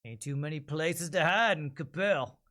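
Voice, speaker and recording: Man playing a slow-drawling stern Old West marshal. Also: fairly high pitch, sharp tone. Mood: stern menacing. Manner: slow, deliberate cowboy drawl.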